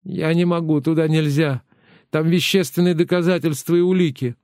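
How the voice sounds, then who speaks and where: A man voicing an elderly woman who is shrill, agitated and commanding, in an audiobook. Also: steady tone, moderate pace, a little mellow, no room sound, studio quality, lightly acted. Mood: distraught. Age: older.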